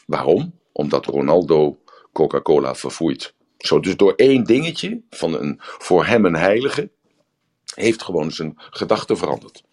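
Older male group leader, voice extremely low, rambling and anecdotal delivery. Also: sing-song, unhurried, darkish tone, husky. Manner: rambling, searching for words, with anecdotes. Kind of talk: casual talk.

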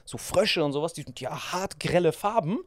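A young man co-hosting a casual podcast chat, an animated storyteller who acts out quotes and drops English slang. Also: a little high, normal speed, no echo, studio quality. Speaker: podcast co-host.

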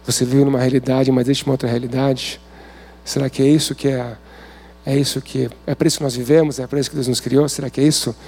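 Brazilian guy preaching at a men's meeting, gravelly low warm voice, chatty, lots of questions. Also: little pitch movement, quick pace. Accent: Brazilian Portuguese. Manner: conversational, rhetorical questions, many fillers. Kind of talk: informal sermon.

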